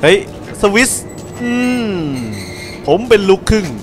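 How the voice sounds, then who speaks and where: A man's voice: sits high, slow pace, over music. A young man giving casual, crude, joking commentary while playing a horror game, talking back at the game. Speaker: gameplay commentator.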